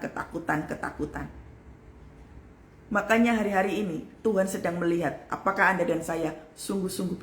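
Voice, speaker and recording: Earnest woman pastor preaching in echoey room. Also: on the low side. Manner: earnest and emphatic, swinging between loud exclamations and soft whispers; addresses listeners as "saudara". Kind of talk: live-streamed sermon. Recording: echoey room with faint ambient noise.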